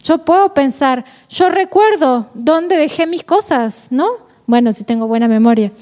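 A woman's voice: high voice, animated, measured pace, mellow. Playful woman giving a Catholic lecture. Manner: playful, laughs often, asks rhetorical questions. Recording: echoey hall, long reverb.

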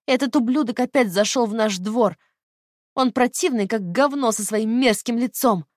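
A woman voicing a hypnotized woman who shrieks her childhood hatred in a shrill, childlike voice. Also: moderate pace, dry recording, studio quality, close to an everyday voice. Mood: shrill spiteful.

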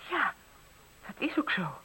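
A woman's voice: measured pace, pushed and bright, low-quality recording. An actress playing an anxious, wounded, proud single mother in a Dutch radio play, with pleading, dramatic delivery. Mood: defensive, shaken.

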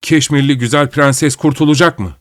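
A man's voice: fairly high pitch, moderate pace, a bit bright, dry recording, clean studio sound, pitched above the performer's own voice, lightly acted. A man voicing a distraught young nobleman who talks in an agitated, pleading way. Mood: frantic.

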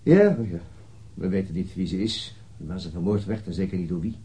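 An actor playing a brooding, dogged police detective in a radio drama, weary and musing in a halting, husky voice. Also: male voice, low-pitched, animated, mellow, heavily acted. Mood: weary, determined. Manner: halting, musing, muttering to himself. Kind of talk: radio drama acting with introspective monologue.

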